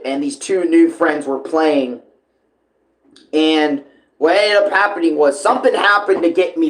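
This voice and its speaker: A man's voice: fairly high pitch, low-quality recording. A man giving casual live reaction commentary, earnest and emphatic, repeating himself and swearing freely. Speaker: reaction video host.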